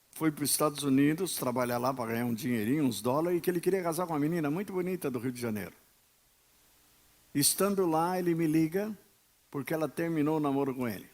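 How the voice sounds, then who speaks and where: A man with a Brazilian Portuguese accent preaching a sermon as pastor, emphatic, with sharp swings between loud and quiet. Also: on the high side, brisk. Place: church.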